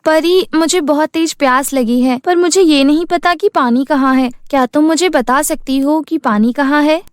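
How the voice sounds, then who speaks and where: A timid, well-mannered little girl played by a woman talks in a high voice, submissive and polite. It is a cartoon story voice with a dry, close sound. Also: normal speed, no room sound, close to an everyday voice. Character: meek, polite orphaned young girl.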